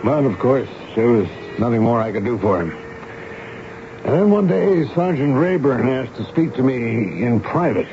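Measured army major, noisy recording. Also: male voice, medium pitch, very animated. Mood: wistful, reflective. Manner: educated, measured, sympathetic. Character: army major, fort commandant, kindly and measured. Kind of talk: 1970s radio drama acting, first-person narration and dialogue. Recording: dull, noisy old radio broadcast recording.

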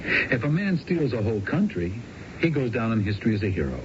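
Through a noisy, dull old radio broadcast comes a man playing a cocky American ex-con schemer. He is glib and utterly unabashed, his lowish voice swinging freely as he makes his pitch in 1970s radio-drama style. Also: sing-song, fairly quick, lightly acted. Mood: brazen, philosophical. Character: brazen male ex-convict hustler, cocky, smooth-talking schemer. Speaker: actor in a radio mystery drama.

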